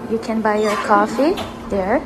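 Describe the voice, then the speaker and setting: A woman's voice: medium pitch, moderate pace, noisy background. A young woman vlogging a casual tour of her university campus, chatting and pointing things out as she walks. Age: young adult. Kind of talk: casual vlog tour narration. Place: outdoors and indoors on a university campus. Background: background music.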